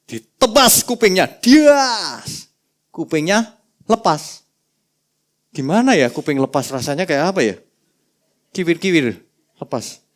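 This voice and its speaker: A male pastor preaching a sermon with animated, humorous storytelling. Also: mid-range voice.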